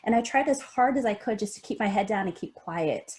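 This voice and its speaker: A middle-aged woman from the American Midwest speaks to an online seminar over a video call mic. She tells her story earnestly, with a storyteller's pauses and frequent ums. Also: mid-range voice, expressive, darkish tone. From Midwest US, Indiana. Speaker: guest speaker, associate professor. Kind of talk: personal talk in an online seminar.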